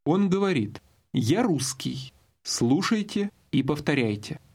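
Husky guy reading out a language lesson, slow and deliberate, voice goes up and down a lot. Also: fairly high pitch, big pitch swings, darkish tone. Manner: slow, deliberate instructions with clear prompts. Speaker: language course narrator. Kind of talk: scripted language lesson narration.

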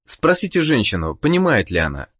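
Husky man giving lesson prompts. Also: medium pitch, huge pitch swings, a little fast, fairly bright tone. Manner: gives clear prompts and questions to the learner. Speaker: language course narrator. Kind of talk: scripted instructional narration.

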